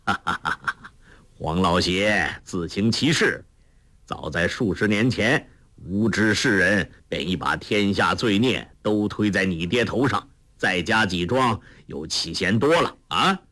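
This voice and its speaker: A man's voice: low voice, expressive, measured pace, sharp tone, exaggerated voice. A man doing a haughty old martial master. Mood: scornful. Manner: haughty, mocking laughter. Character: proud, eccentric older male martial master.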